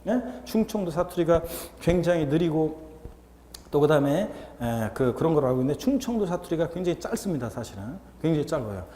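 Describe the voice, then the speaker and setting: A man's voice: on the high side, expressive, brisk, warm tone, slight background noise. Chatty man lecturing in an echoey classroom. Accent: Seoul Korean. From Seoul, Korea. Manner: chatty, jokey, mimics dialects. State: slightly stuffy, with a runny nose. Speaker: real estate tax lecturer. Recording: roomy, reverberant classroom with faint ambience.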